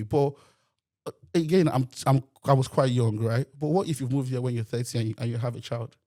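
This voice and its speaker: In a Nigerian accent, a man speaks at a fairly quick pace and medium pitch. His tone is dark and mellow, with ordinary pitch variation. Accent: Nigerian accent, unchanged. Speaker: entrepreneur and community founder. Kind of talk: podcast interview. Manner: animated.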